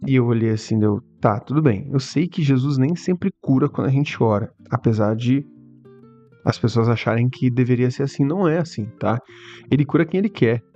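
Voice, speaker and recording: A man with a Brazilian Portuguese accent giving an earnest personal testimony, preaching with halting restarts. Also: mid-range voice, warm tone. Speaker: Christian content creator. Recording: dull lo-fi audio with faint music.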